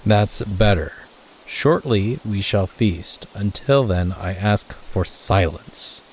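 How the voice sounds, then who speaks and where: Man voicing a slow, low, commanding wolf leader. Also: expressive, slight background noise, rough recording. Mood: calm authority. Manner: slow, authoritative, measured. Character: commanding male wolf, stern protective pack leader. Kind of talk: audio drama acting.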